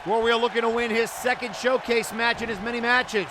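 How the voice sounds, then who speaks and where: A man giving live play-by-play wrestling commentary with excited, exclamatory calls. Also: extremely high pitch, fairly quick. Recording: noisy event audio with loud crowd. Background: crowd and arena noise.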